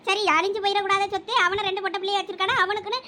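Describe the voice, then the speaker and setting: A woman with a Thoothukudi Tamil accent voicing a sharp-tongued middle-aged elder sister in a cartoon family drama, scolding quickly and defiantly. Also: extremely high pitch, level tone, crowd noise.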